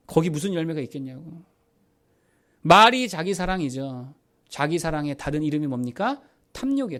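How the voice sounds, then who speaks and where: A male pastor preaching a sermon, asking rhetorical questions and answering them himself, building to emphatic peaks. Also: a little high. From South Korea.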